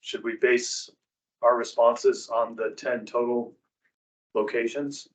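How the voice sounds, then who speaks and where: A man in the audience, asking a measured question at a public meeting. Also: mid-range voice, level tone. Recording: distant mic in a room.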